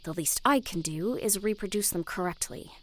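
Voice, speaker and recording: A woman's voice: medium pitch, lively intonation, normal speed, close to an everyday voice. An actress playing an intense, sweary, perfectionist young woman and protective older sister in a sci-fi audio drama. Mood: tense, focused muttering. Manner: muttering to herself, self-critical.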